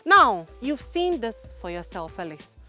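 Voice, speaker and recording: A woman's voice: a little high, very animated, a little slow, bright, forceful tone, faint music behind. A woman presenting outdoors in a farm paddock, talking directly to viewers in an upbeat way.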